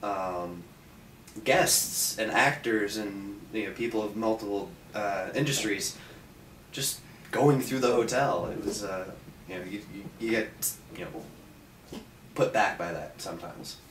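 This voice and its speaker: Amid audible room echo and light background noise, a man with a fairly low voice talks at a fairly slow pace, with ordinary pitch variation, big swings in loudness, and long, frequent pauses. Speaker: podcast panelist. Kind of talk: casual anecdote in group chat. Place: home room. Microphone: camera far.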